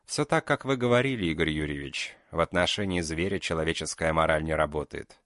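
A man voicing a calm, mocking male killer known as the beast. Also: very deep voice, no echo, studio quality. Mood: cold. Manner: cold, unhurried, mocking.

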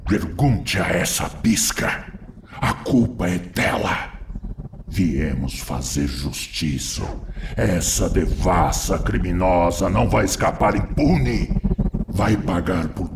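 An actor playing a wrathful, vengeful male spirit in a radio drama, accusing and menacing in a gravelly voice. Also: low voice, expressive, noisy background, exaggerated voice. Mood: vengeful menace. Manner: accusing, menacing, slow emphatic delivery. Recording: dramatic music behind the voice.

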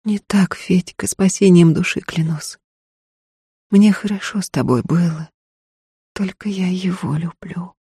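A woman reading an audiobook voices a resolute, tender young woman singer who speaks softly and quietly. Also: on the low side, a little slow, slightly rough, no room sound, studio quality. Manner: soft, quiet, restrained.

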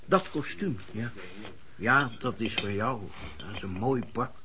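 An actor playing a hard-up, jobless young bookkeeper, meek and wheedling, speaking haltingly in a radio drama. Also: male voice, medium pitch, lively intonation, noisy background. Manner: halting, stammering hesitation. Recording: busy eatery, chatter and clattering dishes. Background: crowd chatter, cutlery and dishes.

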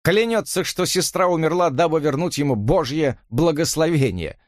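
A man reading an audiobook and voicing an excitable, emotional male friend in a high, loud voice. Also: moderate pace, no echo, clean studio sound. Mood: scornful.

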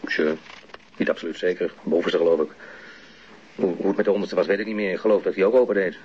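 An actor playing a plain-spoken, unsure policeman giving testimony in a radio drama, hesitant and matter-of-fact, with a husky, raspy voice. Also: sits low, quick pace, slight background noise, close to an everyday voice. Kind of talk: naturalistic radio drama dialogue. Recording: muffled radio drama recording.

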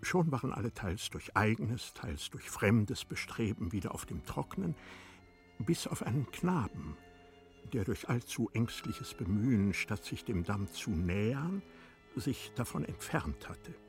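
A man narrating a literary radio play in a measured, expressive storytelling manner. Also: on the low side, soft background music.

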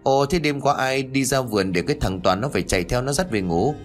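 A man voicing an exasperated elderly village wife who scolds her forgetful husband in rapid bursts of complaint. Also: medium pitch, lively intonation, soft background music, voice pushed up, lightly acted. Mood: reproachful. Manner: nagging, rapid-fire complaining.

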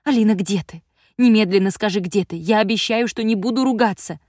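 A woman's voice: medium pitch, brisk, darkish tone, no echo, close to an everyday voice. Lady voicing a scared pleading mom, voice pushed up, dry close mic. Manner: tense, pleading, raised. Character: anxious worried mother, pleading.

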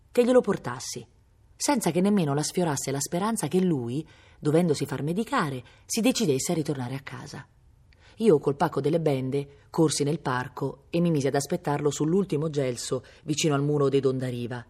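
A woman from Italy with a low voice reads a novel aloud for a public library. She tells the story with feeling, slowing for tense moments and jumping high and loud for the characters' shouts. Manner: expressive storytelling, raising pitch and volume sharply for quoted shouts; slows down on tense moments, hisses the cat's sounds. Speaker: volunteer reader for a public library.

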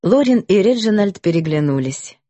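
A woman narrating a mystery novel audiobook in an even, measured storytelling manner. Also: medium pitch, no echo. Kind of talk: scripted narration.

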